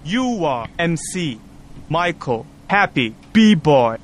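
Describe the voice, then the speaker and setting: A man's voice: on the high side, very animated, slight background noise, exaggerated voice. A man voicing a male rapping app figure who chants cheesy broken English lines over a beat. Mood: chanting. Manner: slow, stilted, chanting lines. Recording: loud backing music.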